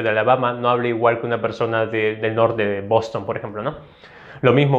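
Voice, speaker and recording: Man teaching, dull lo-fi sound. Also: mid-range voice. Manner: instructive, ends points with tag questions. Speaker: TOEFL teacher. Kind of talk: explanatory online lesson.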